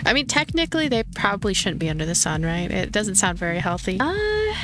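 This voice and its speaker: A woman's voice: mid-range voice, big pitch swings, brisk. A woman hosting a let's play, giving casual commentary and thinking aloud as she goes. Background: game music.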